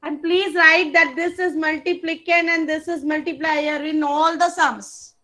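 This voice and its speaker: High, bright South Asian woman teacher. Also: steady tone, measured pace. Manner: instructive, prompting with short step-by-step questions. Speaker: maths teacher. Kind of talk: interactive online class teaching.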